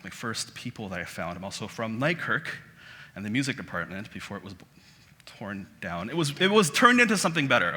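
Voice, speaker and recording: Korean-born man, 30s, guest lecturer, casual and rambling, bright tone, long hall reverb. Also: lowish voice. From South Korea. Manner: conversational, self-deprecating, many restarts. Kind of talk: public lecture. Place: auditorium.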